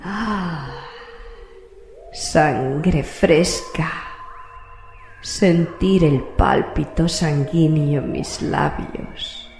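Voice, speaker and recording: Woman acting as vampire, bloodthirsty, sensual, drawn-out words, cavernous reverb, horror radio play. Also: low voice, darkish tone, heavily acted. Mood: hungry rapture. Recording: cavernous echo and reverb, music behind.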